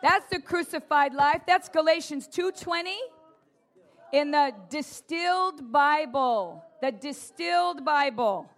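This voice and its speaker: A woman preaching a lively charismatic sermon, animated and playful, mimicking her listeners, breaking into shouts and laughter. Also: high voice, slow.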